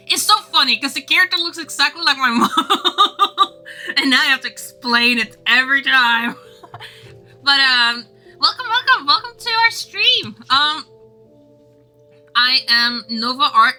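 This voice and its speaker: A woman's voice: high-pitched, big pitch swings, unhurried, pushed and bright, faint music behind, poor audio. A woman livestreamer chatting casually with her viewers in a rambling, exclamatory way. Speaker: livestreamer and game developer.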